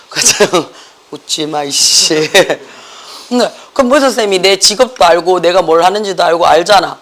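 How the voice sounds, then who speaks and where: A middle-aged academy teacher with a Gyeongsang accent lectures a class in a worn, hoarse voice. The delivery is lively and joking, and English words keep slipping into the Korean. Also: medium pitch, a little fast.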